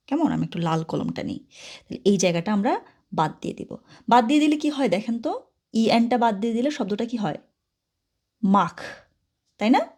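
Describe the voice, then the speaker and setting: A woman teaching a German grammar lesson in Bengali, patient and steady, often pausing to ask whether the students follow. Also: fairly high pitch. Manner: patient, asks many checking questions. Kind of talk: classroom-style grammar lesson.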